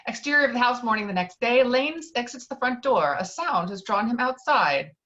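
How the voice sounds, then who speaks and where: A woman's voice: a little high, expressive, normal speed, pushed and bright. Dull-sounding woman reading stage directions. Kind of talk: amateur script table read. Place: remote video call.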